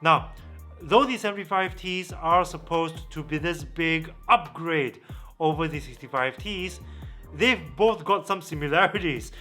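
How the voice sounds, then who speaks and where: Male tech reviewer, slightly high and sharp-edged voice, measured emphatic phrasing for a gadget comparison. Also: faint music behind. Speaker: tech reviewer, vlog host. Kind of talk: product review to camera.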